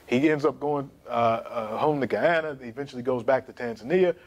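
A man in his thirties giving an emphatic, animated history lecture to camera in a small studio. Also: medium pitch, brisk. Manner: animated, emphatic, gesturing while pacing.

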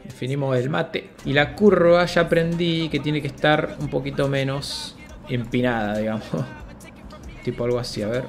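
A man's voice: mid-range voice, fairly even intonation, normal speed, vocal fry, faint music behind. A young man with an Argentine accent talking through an animation tutorial in a casual, slangy, think-aloud way. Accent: Argentine Spanish. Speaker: video editing tutor. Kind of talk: screen-recorded software tutorial.

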